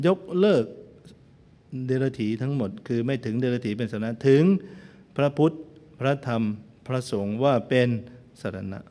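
A male Buddhist monk preaches in a middle-pitched voice, mixing storytelling with teasing jokes aimed at his listeners. His voice carries a long reverb tail, as if recorded in a big hall. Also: mellow. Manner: playful, joking asides to listeners. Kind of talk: sermon with storytelling.

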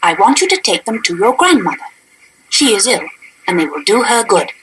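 A man's voice: high-pitched, sing-song, moderate pace, pushed and bright, a little hiss or hum, voice pushed up, heavily acted, poor audio. A man voicing a careful mother in a storybook reading, giving firm, instructive warnings. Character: careful fussing mother, woman.

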